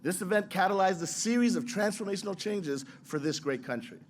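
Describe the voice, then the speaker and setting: Guy w a fairly high voice giving a big stirring speech, tells it like a story. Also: expressive, brisk, a little hiss or hum. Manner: rousing, storytelling oratory. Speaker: science museum president. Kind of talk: ceremonial speech.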